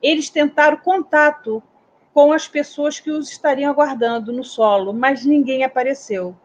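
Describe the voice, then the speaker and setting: High-voiced Brazilian woman telling a story. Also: normal speed. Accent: Brazilian Portuguese. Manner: lively storyteller, asks listeners questions. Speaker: aviation security specialist, guest. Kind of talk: storytelling in a talk. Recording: dull, slightly muffled audio.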